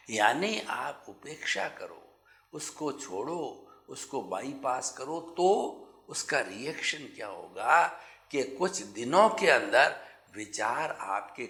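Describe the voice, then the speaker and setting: A man's voice: medium pitch, creaky, sharp tone, roomy sound. A man giving a spiritual discourse as a teacher, preaching with vivid everyday examples.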